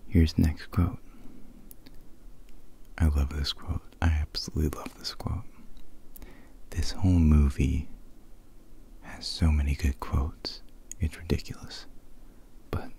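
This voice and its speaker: A man whispering softly in an ASMR video, rambling with fillers as he talks about movie quotes. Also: very deep voice, little pitch movement, takes it slowly, vocal fry, long pauses, husky. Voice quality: soft whisper.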